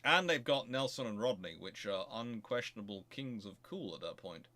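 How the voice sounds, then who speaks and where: A man hosting a casual live question-and-answer stream on history, talking in a halting way as he thinks aloud and repeats phrases. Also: fairly low pitch, lively intonation, sharp tone. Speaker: host of a naval history stream.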